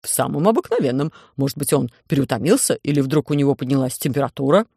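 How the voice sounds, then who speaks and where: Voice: mid-range voice, lively intonation, quick pace, vocal fry, mellow, breathy edge, no echo, voice pushed down. A reader voicing a skeptical spaceport dispatcher who talks in a dry, ironic, officious way.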